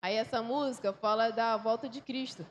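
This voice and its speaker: High-voiced Brazilian woman teaching a song. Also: moderate pace. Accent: Brazilian Portuguese. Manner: demonstrative, chanting and clapping rhythms. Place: church sanctuary. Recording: echoey church room, faint noise.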